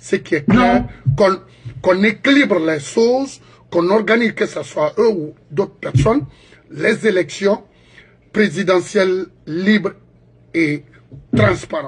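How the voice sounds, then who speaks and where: A high-pitched man speaks slowly-ish, at a fairly slow pace, with long, frequent pauses. His tone is animated and his intonation lively. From Guinea. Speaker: political activist; commentator. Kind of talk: political rant. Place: home room. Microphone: phone near.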